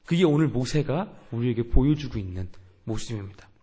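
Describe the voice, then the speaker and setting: A man's voice: medium pitch, animated, fairly quick, warm tone, breathy edge. A young man, a youth pastor, preaching a sermon in an earnest way and asking the congregation questions.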